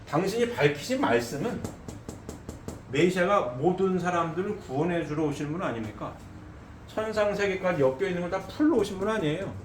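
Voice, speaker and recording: A man's voice: high-pitched, animated, a little fast, noisy background. A middle-aged man preaching a sermon emphatically, often asking his congregation questions and tagging "eh?". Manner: emphatic, asks the congregation questions, frequent "eh?" tags. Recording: echoey hall with faint ambience.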